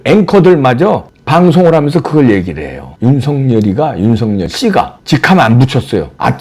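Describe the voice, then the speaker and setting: A man with a slightly high, somewhat mellow voice hosts a political commentary channel, speaking solo. He is combative and mocking, firing off rhetorical questions.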